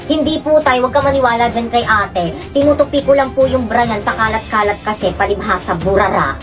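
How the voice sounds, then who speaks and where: A woman's voice: a little high, fairly quick, close to an everyday voice. A woman doing squabbling siblings in a family skit. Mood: bickering. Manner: bickering, accusing. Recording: loud music behind.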